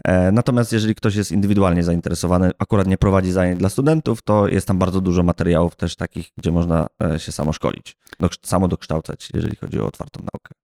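A man's voice: sits low, steady tone, quick pace, creaky, few pauses, darkish tone, no echo, studio quality. A man co-hosting a podcast in casual conversation, often chiming in with short agreements. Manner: brief, agreeing interjections. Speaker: podcast co-host.

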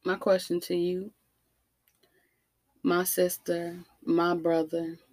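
A woman with an African American accent delivering an impassioned monologue, emphatic and deliberate, with rhetorical questions and repetition. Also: on the low side, monotone, darkish tone, dry recording. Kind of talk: impassioned spoken monologue to listeners.

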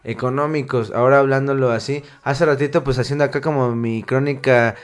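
A man's voice: mid-range voice, fairly even intonation, fairly quick. A man with a Mexican accent hosting a casual chat, rambling in slang and interrupting himself. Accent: Mexican Spanish.

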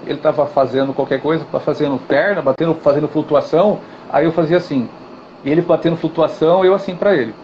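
A man, a guest teacher in a live interview, talking casually and acting out gestures and quotes as he tells stories. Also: fairly high pitch. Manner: animated storytelling with gestures and acted quotes. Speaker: guest, swimming and physical education teacher. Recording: dull, slightly noisy audio.

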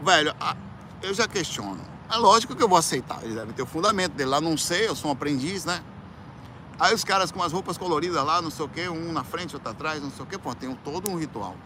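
A musician with a somewhat high voice and a Brazilian Portuguese accent moves quickly through a colloquial personal story. He's animated, acting out quoted voices with loud outbursts, and background noise is audible.

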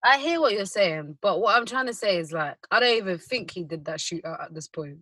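Londoner with a fairly low voice. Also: female voice, animated, brisk, pushed and bright, dry recording. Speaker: podcast co-host. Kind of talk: casual chat, debating.

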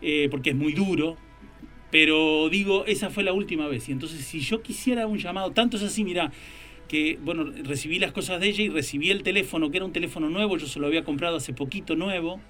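A man's voice: a little high, quick pace, fairly bright tone, soft background music. A man with an Argentine Spanish accent in casual podcast conversation, telling a personal story in a reflective, emotional way and quoting dialogue. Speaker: writer and podcast co-host.

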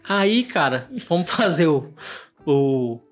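A man's voice: a little high, lively intonation, slow, faint music behind. Man telling a story. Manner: emotional storyteller who peppers speech with "cara" and acts out dialogue. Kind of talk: casual storytelling chat.

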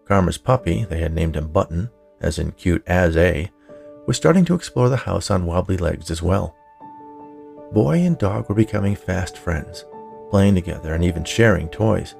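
A man's voice: deep voice, normal speed, vocal fry, darkish tone, soft background music. A man reading a scripted short story in the manner of an audiobook narrator. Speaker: writer, narrator and producer of a fiction podcast.

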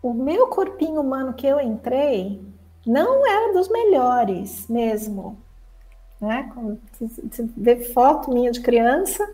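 A woman gives a lively spiritual talk to her viewers. Her voice sits high but has a warm, mellow tone, and she acts out the chatter of the mind with expressive swings. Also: unhurried, rough recording. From Brazil. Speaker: spiritual teacher and therapist.

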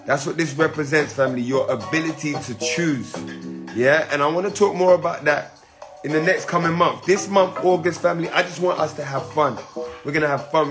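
Hoarse man with music behind him. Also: a little high, a bit bright. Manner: keeps saying "family", easygoing and encouraging. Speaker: spiritual teacher and podcast host. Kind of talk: casual spiritual talk to listeners.

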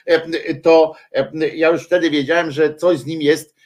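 A man hosting a radio show, talking in a halting, reflective way with many filler sounds between songs. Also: on the high side, steady tone, darkish tone. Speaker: radio host.

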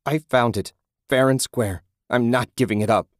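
A man's voice: normal speed, no echo, studio quality, lightly acted. A man voicing a skinny, petty underground man who whines and clings to what he owns. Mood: whiny. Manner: whiny, high and defensive.

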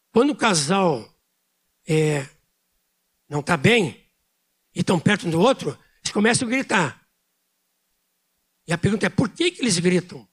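High-voiced man preaching with emphatic repetition. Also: husky. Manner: speaks loudly by his own account. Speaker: pastor. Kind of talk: sermon.

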